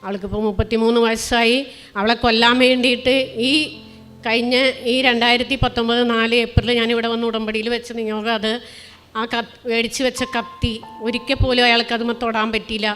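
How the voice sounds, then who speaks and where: A middle-aged woman from Kerala tells her testimony in a plain, earnest way, stopping and restarting often. Her pitch is slightly high and stays very level. Soft music plays faintly behind her. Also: flat delivery. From Kerala, India. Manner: plain, earnest storytelling with many pauses and restarts. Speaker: testimony speaker. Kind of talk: spoken personal testimony.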